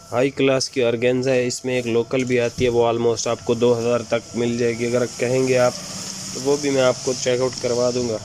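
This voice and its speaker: A man with an unwell, sore-throated voice gives a casual online sales pitch item by item, repeating his catchphrases to viewers. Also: darkish tone. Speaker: shop presenter selling women's suits. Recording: clear background noise, room ambience.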